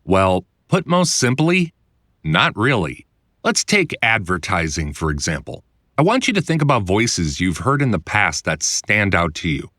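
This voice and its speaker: A man reading his own instructional audiobook in a conversational, clearly enunciated way, like a voiceover producer explaining the trade. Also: on the low side, very animated, a little slow, bright, forceful tone, no echo, clean studio sound. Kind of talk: scripted instructional narration.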